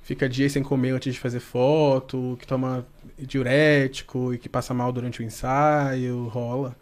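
A man in casual podcast chat about his photo shoots who often breaks into high laughter. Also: level tone, unhurried. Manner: laughs often, giggling high when amused. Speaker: photographer for a men's magazine.

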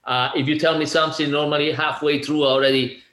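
A man's voice: fairly high pitch, level tone, fast talker, a bit bright. Chatty man, echoey room. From Italy. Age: around 60. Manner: chatty, laughing, many fillers and restarts. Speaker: guest, real estate agent. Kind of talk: casual interview talk.

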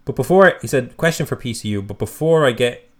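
A man's voice: medium pitch, expressive, fairly quick. A man co-hosting a podcast, chatting casually with rambling, self-mocking banter and the odd swear. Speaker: podcast co-host. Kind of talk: casual chat.

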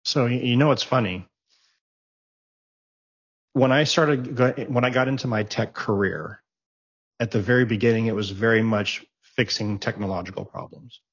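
Man, middle-aged, husky, stammering restarts, muffled lo-fi call audio. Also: medium pitch, moderate pace, pauses often. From raised abroad, born in Japan, raised in Germany. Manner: rambling storyteller, frequent restarts and stammered repeats. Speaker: interview guest, tech professional. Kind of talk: casual interview talk.

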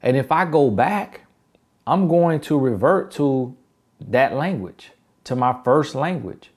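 Man, country Southern accent, middle pitch, motivational advice talk, emphatic. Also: lively intonation, slow, a little mellow. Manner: preachy, repetitive, emphatic. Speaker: relationship advice speaker.

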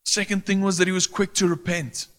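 A man's voice: high-pitched, level tone, a little fast, a bit bright. A man preaching a sermon as a pastor, earnest and rising to emphatic, pleading peaks. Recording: long hall reverb.

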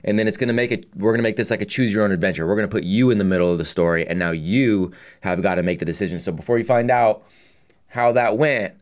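Low-ish voiced guy hosting, laid-back slangy chat, lots of dude and man. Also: fast. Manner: informal, slangy, says "dude" and "man" often. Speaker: host interviewing a guest. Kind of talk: casual chat.

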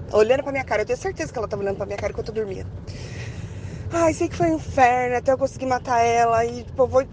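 A woman with a Brazilian accent and a fairly high voice tells a story dramatically and acts out every line of dialogue. Faint road noise from a vehicle sits under her voice. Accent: Brazilian Portuguese. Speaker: podcast co-host. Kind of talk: casual chat, voice-message storytelling.

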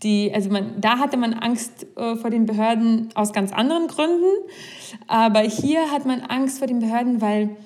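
A woman's voice: fairly high pitch, normal speed, a little mellow. A young woman hosting a podcast, talking candidly in a casual conversation and thinking aloud with restarts. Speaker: podcast host.

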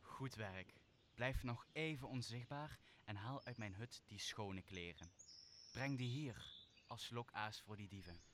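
A stern sorcerer bent on revenge, acted by a man in a radio drama. His voice is fairly low, solemn and commanding, with faint noise behind it. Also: measured pace, fairly bright tone. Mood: bitter, vengeful. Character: commanding, vengeful magician master of spirits. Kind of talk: radio play acting of Shakespeare.

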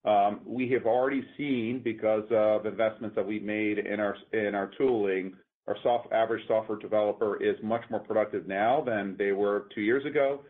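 A man speaking as a company executive, explaining things methodically and haltingly on an earnings call. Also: lowish voice, steady tone. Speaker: company executive answering analysts. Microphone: conference call line. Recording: muffled, narrow-band conference phone line.

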